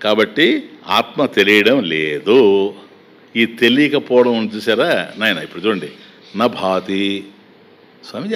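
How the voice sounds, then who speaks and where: A man teaching a spiritual discourse, chanting verses slowly and then explaining them in a conversational way, speaking directly to his listeners. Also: lowish voice, fairly bright tone. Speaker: Vedanta teacher.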